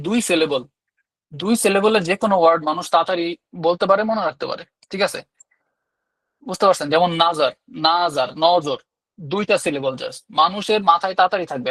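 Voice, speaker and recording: A man leads a live online class in a slightly high voice. He talks bluntly and demandingly, checking in with his listeners again and again. The sound is dry and close. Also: fairly bright tone, no echo. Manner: blunt, demanding, repeats "ঠিক আছে?". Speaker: YouTube course instructor.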